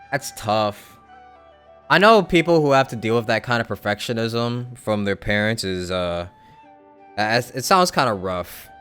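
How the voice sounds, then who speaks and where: A man's voice: mid-range voice, a bit bright, clean tone. A man live-streaming a game, chatting casually and bluntly, rambling and correcting himself as he reacts.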